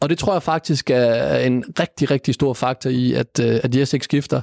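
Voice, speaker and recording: A man speaks slowly in a plain, everyday voice with ordinary pitch variation. The recording is very clean with a silent background and a dry, close sound with no echo. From Denmark, Funen. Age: 30s. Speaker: former footballer and football pundit. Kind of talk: podcast interview.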